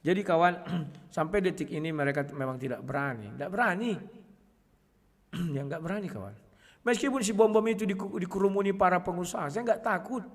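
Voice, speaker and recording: A man speaking casually to his viewers in a combative way, often clearing his throat. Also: high-pitched, animated, a little fast, big-room sound. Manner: combative, addresses listeners as "kawan", frequent throat clearing. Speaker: online video host.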